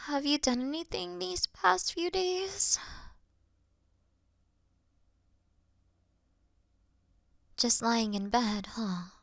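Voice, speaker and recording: A woman playing a caring, worried best friend in an intimate roleplay audio call, speaking softly and soothingly with breathy murmurs. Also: fairly high pitch, no echo, clean studio sound. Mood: gentle concern. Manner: soft, soothing, reassuring, sighing, dropping into breathy murmurs. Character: caring, gentle young female best friend, patient and worried.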